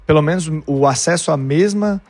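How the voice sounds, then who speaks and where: A man's voice: on the high side, moderate pace. A man hosting a podcast, talking casually and jokingly with slang. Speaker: podcast host.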